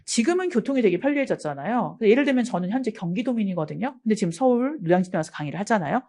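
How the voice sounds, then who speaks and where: A woman's voice: mid-range voice, animated, racing, warm tone. A middle-aged woman from South Korea's Gangwon region, giving an online exam-prep lecture in a chatty, anecdotal way. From Gangwon Province, South Korea. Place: lecture studio.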